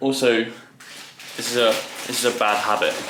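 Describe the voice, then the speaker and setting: Noticeable background noise and audible room echo surround a man of medium pitch. He speaks at a moderate pace in a monotone, flat intonation. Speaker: bodybuilder vlogger. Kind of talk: casual vlog. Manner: halting.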